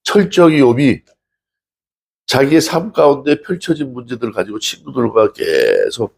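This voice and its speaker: Male pastor, husky gravelly voice, chatty sermon style with acted-out dialogue. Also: medium pitch, darkish tone. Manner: conversational preaching, rhetorical questions to the congregation; acts out dialogue from scripture stories.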